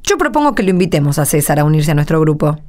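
An actress with an Argentine accent playing a practical, generous workshop partner in radio theatre, expressive, colloquial and questioning. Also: female voice, deep voice, quick pace. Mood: decided.

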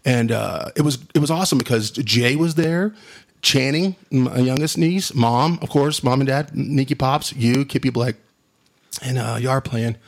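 Booming, husky man telling stories. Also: normal speed. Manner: animated, laughs often, says "dude" a lot. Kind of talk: casual storytelling chat.

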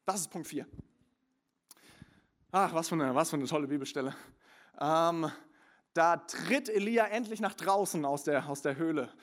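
A young man preaching a sermon, sliding from soft confiding asides into loud emphatic calls, with many fillers and restarts. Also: on the high side, moderate pace, long pauses. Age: young adult. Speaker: pastor.

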